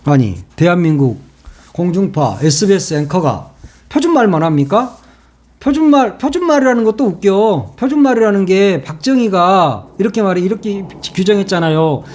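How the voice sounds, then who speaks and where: Man, solo commentary host, mocking, sarcastic, very animated pitch. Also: normal speed. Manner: mocking, sarcastic, laughs at his own jokes. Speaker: political commentary channel host. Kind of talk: casual solo political commentary.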